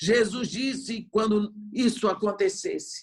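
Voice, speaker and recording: Speaking at a very slow pace, a woman with a medium-pitched, somewhat breathy voice talks. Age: 70s. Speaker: missionary preacher. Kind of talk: sermon.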